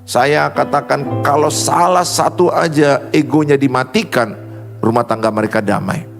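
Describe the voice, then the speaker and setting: Pendeta pria berkhotbah dengan suara serak, nadanya naik turun, dengan gema panjang dan musik samar. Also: male voice, gravelly. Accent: Indonesian. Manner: emphatic preaching, swings high and low. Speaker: pastor. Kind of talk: sermon. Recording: long reverb with faint music.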